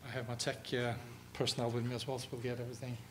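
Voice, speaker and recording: A man's voice: mid-range voice, little pitch movement, rapid-fire, fairly bright tone, a little hiss or hum. A man from Norway with a Norwegian accent, speaking English as a second language in a university guest lecture, hesitant with many fillers and restarts and light jokes for the audience. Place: lecture hall.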